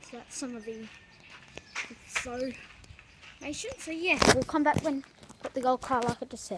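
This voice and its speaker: Against loud background noise, a woman with a high voice talks at a fairly quick pace, with long, frequent pauses, big swings in loudness and ordinary pitch variation. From Australia. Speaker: amateur vlogger. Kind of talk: casual talk to camera. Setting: outdoors, filming while driving. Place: open country. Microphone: phone near.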